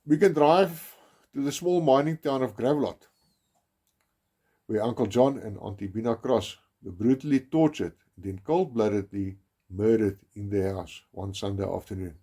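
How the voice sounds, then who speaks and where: A man with a South African accent, whose first language is Afrikaans, gives a grave, measured documentary narration with emphatic stresses. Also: lowish voice, mellow. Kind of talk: solemn scripted narration.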